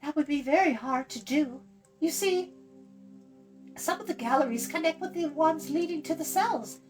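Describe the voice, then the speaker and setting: A woman's voice: sits high, moderate pace, a little mellow, faint music behind, pitched above the performer's own voice, close to an everyday voice. A woman voicing a chatty, proud and scatterbrained young enchantress girl from a storybook, breezy and haughty in manner. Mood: chattering. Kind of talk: storybook character voice.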